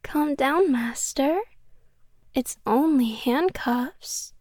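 A woman voicing a sweetly obsessive young cat girl in an ASMR roleplay, whispering softly and intimately. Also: high-pitched, fairly even intonation, slow pace, no echo. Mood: sweetly menacing. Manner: soft whispering, close and intimate.

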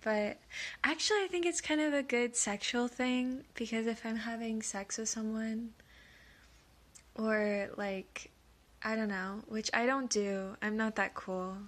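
Woman, high-ish, slow, sniffly; nervous halting ramble with stammers, giggles and whispered asides. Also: fairly even intonation. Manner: drops into soft whispers at times; giggles often. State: sniffly from allergies. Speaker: audio creator. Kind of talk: rambling casual monologue.

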